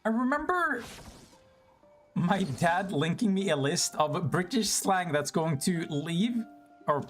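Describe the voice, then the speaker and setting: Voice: mid-range voice, lively intonation, slow, faint music behind. Swearing, yelping game streamer. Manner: swears and yelps in frustration, chatty asides. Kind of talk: casual gameplay commentary.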